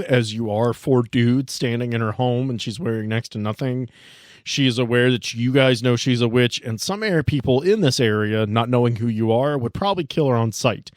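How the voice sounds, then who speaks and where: A man narrating as game master for his friends in a relaxed, loose way, with plenty of asides. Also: medium pitch, no room sound, studio quality.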